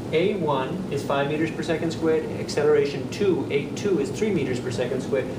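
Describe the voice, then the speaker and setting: This man talks at a fairly quick pace with ordinary pitch variation. Loud background noise runs behind him. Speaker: teacher. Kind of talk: lecture. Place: classroom.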